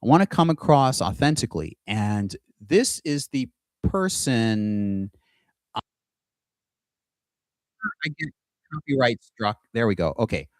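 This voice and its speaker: A middle-aged man talking to camera in a casual monologue, halting often with restarts and pauses while he shares his screen. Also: medium pitch, very animated, no room sound, rough recording. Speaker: aspiring singer and video host. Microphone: computer mic with screen sharing.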